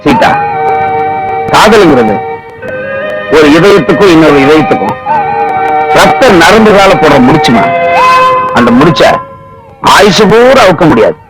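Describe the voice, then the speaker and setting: An earnest, heartfelt brother. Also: male voice, on the high side, sing-song, a little slow, long pauses, loud music behind the voice, poor audio. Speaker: film actor in a family drama. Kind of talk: 1980s film dialogue.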